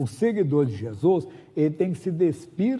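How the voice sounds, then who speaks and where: Lively intonation shapes a voice of dark, mellow tone. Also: man. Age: 60s. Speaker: pastor. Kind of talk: sermon.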